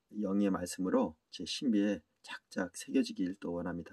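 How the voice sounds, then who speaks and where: A man talks at a fairly slow pace in a dry, close sound with no echo, on a very clean recording with a silent background. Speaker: Bible reader. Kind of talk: scripture reading with commentary.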